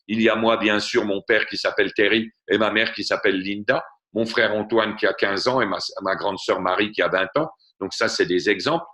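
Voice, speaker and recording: A man gives a patient one-on-one lesson over a video call. His voice sits a little low but has a bright, forward ring. He talks through grammar examples at an easy teaching pace. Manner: explains patiently, mixes in English glosses. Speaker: French tutor. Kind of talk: online tutoring session. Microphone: computer mic on a video call.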